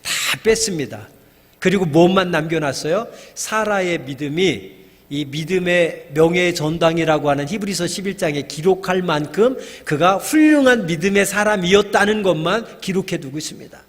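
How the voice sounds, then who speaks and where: A man's voice: sits high, moderate pace. A middle-aged male pastor preaching a sermon in a church, posing questions to the congregation and acting out quoted lines. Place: church sanctuary. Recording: long church hall reverb.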